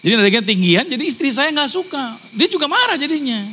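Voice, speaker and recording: A man from Ambon preaching a sermon, animated and joking, acting out voices of other people. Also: fast, a little hiss or hum. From Ambon, Indonesia. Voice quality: naturally high-pitched voice. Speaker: pastor.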